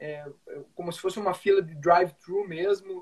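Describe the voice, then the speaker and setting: A man with a high pitch speaks at a moderate pace. His intonation stays fairly even. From Curitiba, southern Brazil. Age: 30s. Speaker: tourism professional. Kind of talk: interview.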